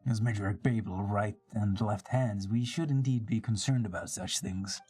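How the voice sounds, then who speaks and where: On a live stream, a man acts out video game lines in a dramatic read-aloud, changing character voices and sometimes stumbling so he rereads. His voice is fairly low, dark and husky, at normal speed, with music in the background.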